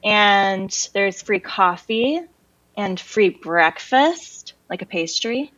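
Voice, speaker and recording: A woman's voice: mid-range voice, expressive, slow, a bit bright, no echo, lo-fi sound. A woman guest on a casual podcast chat, talking freely and filling gaps with "like" and "um". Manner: chatty, explains with "like" and "um". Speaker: podcast guest, creative community organizer.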